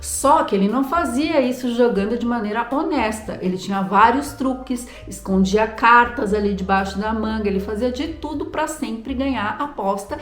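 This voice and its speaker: A woman's voice: on the high side, normal speed, few pauses, a bit bright, reverberant. A woman with a Brazilian Portuguese accent telling a history story in a conversational, informal and explanatory way, as a host.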